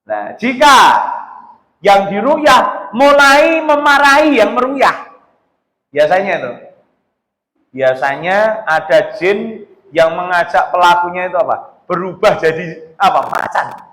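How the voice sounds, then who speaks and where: A male Islamic preacher, giving a casual, animated sermon to a women's study group. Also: sits high, slow, long pauses. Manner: casual preaching, mixing Javanese words, animated. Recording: echoey hall reverb.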